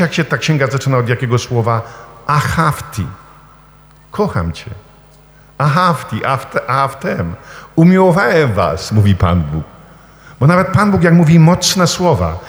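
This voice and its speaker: A man preaches, his pitch rising and falling a great deal as he tells stories and throws questions to his listeners. His voice carries through a large hall with a long, echoing reverb. He mixes warm humor with emphatic appeals. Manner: lively storytelling with rhetorical questions and humor. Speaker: priest preaching. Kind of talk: sermon.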